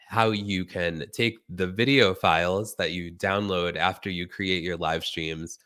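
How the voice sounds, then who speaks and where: A man hosting a casual live stream tutorial, sounding hoarse from a cold and chatting directly to his viewers. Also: sits low, bright, forceful tone.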